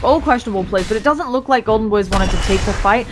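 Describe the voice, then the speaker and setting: A woman's voice: fairly high pitch, fast talker. A woman giving live esports commentary and analysis in a conversational, analytical way. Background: game music.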